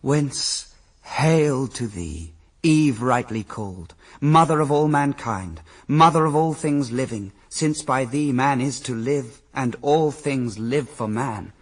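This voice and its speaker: A man's voice: medium pitch, lively intonation, slow pace, distant mic. An actor playing the first man, an earnest and reverent husband, speaking solemn verse in a radio drama. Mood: exultant.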